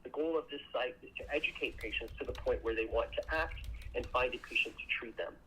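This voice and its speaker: A man in the role of a company executive reads a scripted earnings presentation in a formal, measured way. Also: mid-range voice, pushed and bright. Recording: muffled call audio with clear noise.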